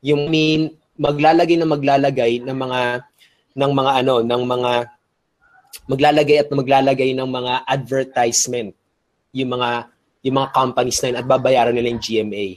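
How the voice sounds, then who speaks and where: Energetic Filipino man giving a webinar. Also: mid-range voice, normal speed, long pauses. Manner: energetic, asks listeners rhetorical questions; mixes Tagalog and English. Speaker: online business trainer. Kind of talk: webinar lecture.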